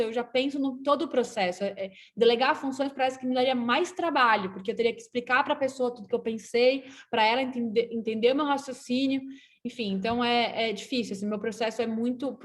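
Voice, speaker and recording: A woman with a Brazilian accent, a guest actress and filmmaker talking casually on a live video call, chatty and full of restarts. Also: a little high. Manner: chatty, warm toward fans, many restarts. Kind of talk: casual talk on a live stream.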